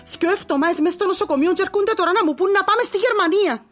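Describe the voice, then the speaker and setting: Actress as a despairing young Cypriot mother, bitter, high voice. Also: a bit bright, soft background music. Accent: Cypriot Greek. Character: desperate young mother, bitter, losing faith. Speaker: daughter-in-law.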